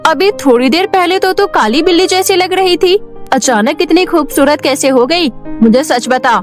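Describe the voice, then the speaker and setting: A cruel middle-aged aunt in a cartoon story snaps and scolds in a high, sharp voice, as a woman voices her. Her tone stays harsh and sneering. Faint music plays underneath. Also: moderate pace. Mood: demanding.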